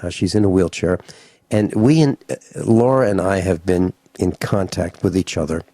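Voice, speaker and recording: A man in his sixties hosts a radio talk show, chatting casually in a casual interview style and rambling with restarts and fillers. His voice is deep and dark in tone, at a moderate pace, with no echo.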